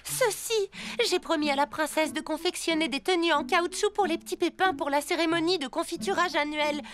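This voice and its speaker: A woman voicing an overworked, easily flustered seamstress girl in a French-dubbed children's cartoon, with expressive, theatrical delivery. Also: very high voice, fairly quick. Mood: weary, complaining.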